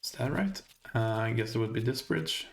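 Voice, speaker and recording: A man's voice: mid-range voice, expressive, normal speed. A man with a Swedish accent giving gameplay commentary, thinking aloud as he finds his way through a game. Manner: thinking aloud while navigating, hesitant. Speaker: let's play host.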